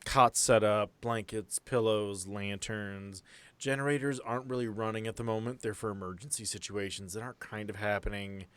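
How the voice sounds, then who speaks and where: A man with a low-pitched voice runs a tabletop game. He narrates scenes off the cuff in a casual, descriptive way and talks directly to his players. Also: fairly even intonation, moderate pace, fairly bright tone, clean tone. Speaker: game master.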